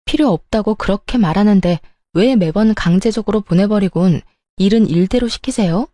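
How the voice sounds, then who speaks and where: A woman's voice: mid-range voice, moderate pace, mellow, no room sound, natural voice. A woman voicing an indignant daughter-in-law who stands her ground, firm, sarcastic and confrontational, in a narrated story. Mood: scornful, defiant.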